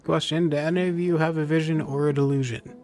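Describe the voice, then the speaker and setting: A man's voice: fairly high pitch, fairly even intonation, fast, darkish tone. A man giving casual, jokey gameplay commentary with a wry manner. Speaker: game streamer.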